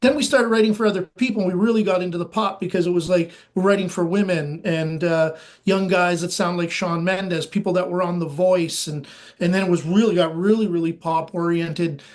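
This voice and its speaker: Brief: nasal man, high-pitched, rambling musician guest, casual chat. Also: fairly even intonation, fairly quick. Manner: rambling, eager, many fillers.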